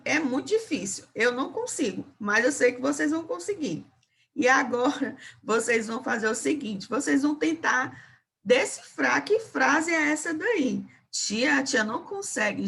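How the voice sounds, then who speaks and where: Woman, primary school teacher, bright clear voice, slow encouraging delivery, remote lesson for kids. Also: on the high side. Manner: warm, encouraging, talks slowly to children. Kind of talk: remote lesson for young children.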